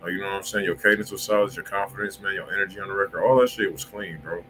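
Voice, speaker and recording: A man's voice: low voice, steady tone, very fast, pushed and bright, slight background noise, low-quality recording. A man with an American accent chatting casually and slangily as he hosts a music review livestream. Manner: slangy, informal. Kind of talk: casual chat, informal song feedback.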